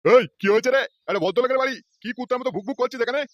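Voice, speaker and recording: Man playing a rapid-fire cranky old cartoon grandfather. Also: very high voice, no room sound, muffled recording. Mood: angry scolding. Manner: scolding, sarcastic. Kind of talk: comic cartoon dialogue.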